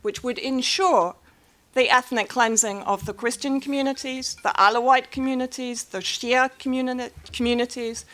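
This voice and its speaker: Slow, firm-spoken woman panelist. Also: fairly high pitch, a bit bright. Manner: firm, rhetorical, with restarts. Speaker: panel speaker. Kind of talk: argumentative panel remarks.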